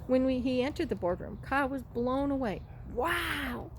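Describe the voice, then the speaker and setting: A woman's voice: sits high, brisk, darkish tone. A woman reading a children's storybook aloud, now and then stumbling over a word and rereading it. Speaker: library read-aloud reader. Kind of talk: storybook read-aloud narration. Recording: clearly noisy room recording.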